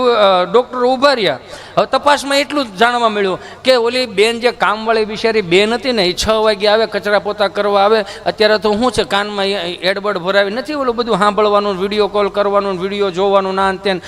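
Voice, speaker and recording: High-voiced Kathiawadi storytelling comedian. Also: male voice, a bit bright. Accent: Kathiawadi Gujarati. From Gujarat, India. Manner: folksy, chatty, acts out characters. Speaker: stand-up comedian. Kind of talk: stand-up storytelling.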